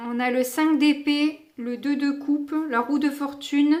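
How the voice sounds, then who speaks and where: A woman speaks in a strong French accent, high in pitch, with fairly even intonation. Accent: strong French accent in English words. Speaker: tarot reader. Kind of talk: tarot reading for viewers. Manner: hesitant, many filler sounds.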